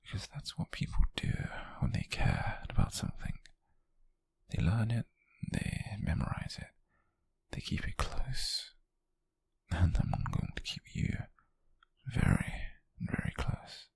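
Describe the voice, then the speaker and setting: Man playing a gravelly, whispering British possessive captor. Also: on the low side, big pitch swings, a little mellow, no echo, full character voice. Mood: possessive, tender menace. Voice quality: breathy, husky, gravelly murmur. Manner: slow, deliberate, coaxing, lingering pauses. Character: possessive, softly menacing wealthy male captor, obsessive and doting. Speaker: ASMR roleplay performer. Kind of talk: intimate whispered ASMR roleplay. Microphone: close microphone, dry.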